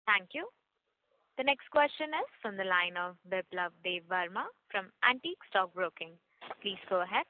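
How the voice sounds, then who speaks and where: A female conference operator, polite and formal as she manages the call. Her mid-pitched voice sounds thin over a narrow telephone line. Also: lively intonation, moderate pace, no room sound. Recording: tinny, narrow phone line.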